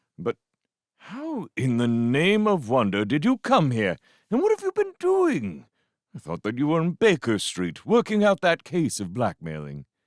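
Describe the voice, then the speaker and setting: A man puts on a character voice at a fairly high pitch, and the sound is dry and close with no echo. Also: moderate pace. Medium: read story. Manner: earnest, emotional.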